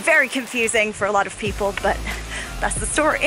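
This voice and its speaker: A woman in her twenties from the Czech Republic with a blended British and North American accent, chatting excitedly as a travel vlogger. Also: on the high side, normal speed, rough recording. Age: 20s. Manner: chatty and excitable, laughs often. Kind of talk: casual vlog narration. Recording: music playing behind voice-over.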